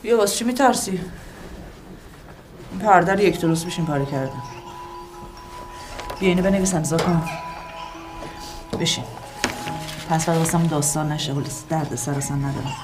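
A woman's voice: sits low, long pauses, natural voice. Actress as curt, commanding woman giving orders, music under her. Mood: coaxing, curt. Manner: blunt, commanding. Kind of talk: film acting.

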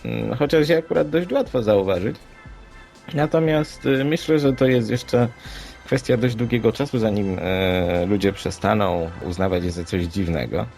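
A man's voice: lowish voice, normal speed, creaky, a little mellow. A man co-hosting an unscripted podcast discussion, explaining things in a matter-of-fact, sceptical way. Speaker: podcast co-host. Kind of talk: unscripted paranormal news discussion. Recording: background music under the voice. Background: music.

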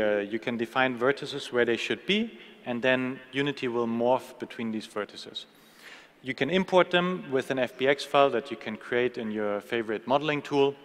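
A man in his thirties presenting a live software demo at a conference keynote, talking casually with many fillers and restarts from a podium mic. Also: medium pitch. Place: large conference hall stage. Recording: long hall reverb.

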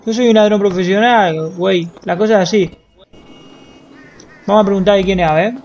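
High-pitched Argentine man, cocky and slangy. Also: fairly quick, darkish tone, highs cut off. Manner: joking, cocky street slang. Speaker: streamer playing a roleplay game character. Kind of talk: improvised in-character banter, casual slangy chat.

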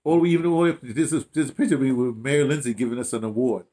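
Here the interviewee is an American man past sixty who writes audio drama, sitting in a small room indoors at home. His medium-pitched, mellow voice runs fast as he tells stories reflectively and casually, rambling with emphasis, restarts and repeated phrases.

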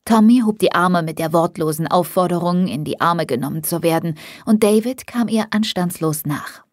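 A woman reading a first-person audiobook in a calm, measured way, close to the mic. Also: lowish voice, dry recording. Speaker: audiobook narrator. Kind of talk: scripted first-person narration.

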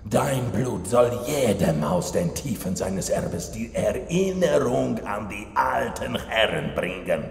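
Slow echoing sinister cult villain. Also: male voice, medium pitch, vocal fry, full character voice. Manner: slow, menacing, solemn incantation. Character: sinister cultist villain chanting to raise ancient masters. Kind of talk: radio horror drama acting. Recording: long echoing hall reverb.

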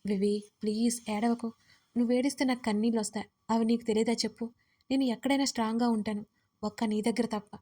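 A woman voicing a devoted young man in an audio story, speaking softly and soothingly. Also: fairly high pitch, fairly even intonation, fast talker, close to an everyday voice. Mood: tender. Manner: soft, soothing, tender pleading.

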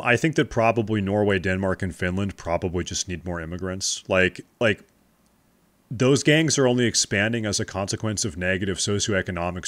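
A man's voice: lowish voice, a bit bright. A man giving sarcastic, mocking commentary while reacting to a video on a stream.

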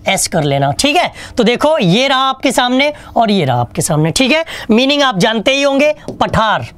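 A man's voice: very high-pitched, very animated, normal speed, fairly bright tone, slight background noise. A man teaching an online exam-prep English lesson, chatty and joking, asking questions and answering them himself. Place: online class studio with a whiteboard.

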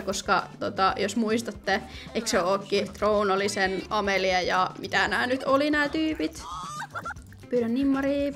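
A young woman commenting casually on her gameplay, chatty and excitable, often pleading and reading out game options. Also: fairly high pitch. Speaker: gaming video host.

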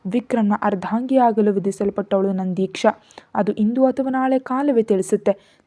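A caring older brother, as a woman narrator voices him, gentle and consoling. He speaks soothingly in a mellow, soft-toned voice. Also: medium pitch, close to an everyday voice.

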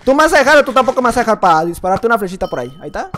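A man's voice: extremely high pitch, big pitch swings, rapid-fire, fairly bright tone, a little hiss or hum. A young man with a Mexican accent gives playful, chatty gameplay commentary, repeating his phrases as he plays. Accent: Mexican Spanish. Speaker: gaming YouTuber.

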